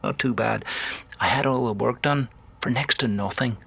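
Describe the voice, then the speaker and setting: A wealthy, arrogant Hollywood guy in an audio drama. His voice is bright and forward, and he boasts casually, entirely pleased with himself. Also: mid-range voice, normal speed, vocal fry, husky, heavily acted. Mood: smug, bragging. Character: wealthy, arrogant, smug Hollywood ride-share passenger. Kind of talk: naturalistic audio drama dialogue.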